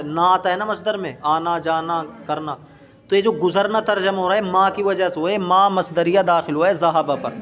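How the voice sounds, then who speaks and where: A man teaching an Arabic grammar lesson as a teacher. He reads the text slowly, explains it quickly and asks his students questions. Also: sits high, a bit bright, highs cut off.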